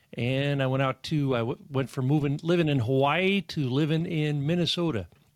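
With an American accent, a man talks at a moderate pace in a plain, everyday voice, fairly high in pitch with ordinary pitch variation. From US, Idaho (Pocatello). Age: 50s. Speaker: podcaster with cancer, Navy veteran, nuclear engineer. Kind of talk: casual interview.

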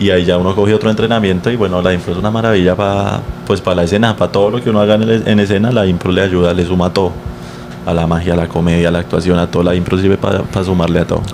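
Over noticeable background noise, a man with a very deep, low voice talks at a very fast pace, his loudness very even and his intonation fairly even. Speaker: stand-up comedian. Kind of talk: casual chat. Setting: live stream.

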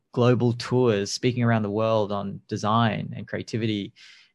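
A man with an Australian accent. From Sydney, Australia. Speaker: designer and business coach. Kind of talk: interview conversation.

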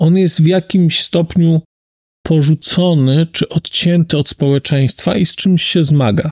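A man speaks fairly slowly at a fairly high pitch with fairly even intonation, in a normal speaking voice. The sound is dry and close with no echo. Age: 50s. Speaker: podcast host, book reviewer. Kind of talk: solo book review monologue. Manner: formal.

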